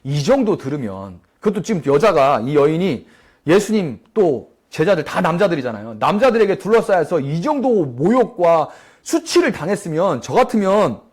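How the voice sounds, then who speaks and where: A man's voice: a little high, sing-song, moderate pace, a little mellow. A male pastor giving a Sunday sermon, telling the story with animation and asking his congregation questions.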